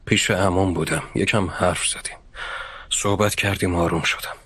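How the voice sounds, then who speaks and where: A man's voice: low-pitched, fairly even intonation, breathy edge, no echo, heavily acted. An actor dubbing a troubled young husband torn between his family and his wife. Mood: soft. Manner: pleading, frustrated, later hushed. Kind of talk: Persian drama dubbing. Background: music score.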